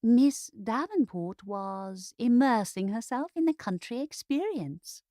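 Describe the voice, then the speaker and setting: A woman's voice: fairly high pitch, expressive, slow, mellow, no echo, studio quality, voice pushed up. A woman voicing a dryly witty, poised young lady with mock-formal period-drama drollery in an audiobook. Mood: wry amusement. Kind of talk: Regency romance audiobook character acting.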